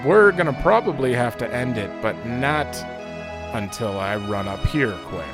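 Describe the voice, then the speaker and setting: A man in his thirties giving casual, offhand commentary as he plays a video game, rambling as he goes. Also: medium pitch. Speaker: let's play host. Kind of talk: casual game commentary, reading dialogue aloud. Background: video game music.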